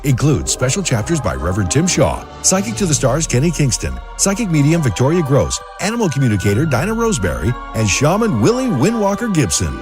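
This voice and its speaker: A man reading a scripted book ad in a bright, promotional manner. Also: medium pitch, wildly swooping pitch, fairly quick, hardly any pauses. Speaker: ad announcer. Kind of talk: scripted ad read. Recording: music bed behind.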